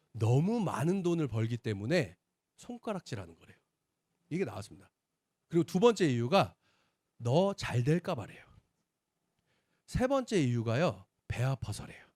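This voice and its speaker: Lively man telling stories at a sales seminar. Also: on the high side, dry recording, studio quality. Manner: animated storyteller, acts out quoted dialogue. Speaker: business presenter.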